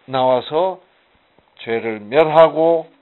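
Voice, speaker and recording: A man's voice: a little high, drawn-out words. A man teaching a casual Bible study, asking rhetorical questions and answering them himself with emphasis. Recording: muffled phone-like audio.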